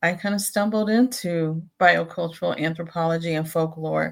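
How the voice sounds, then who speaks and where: With an American accent, a woman talks in a fairly low voice. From Texas. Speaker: anthropologist and folklorist. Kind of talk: interview.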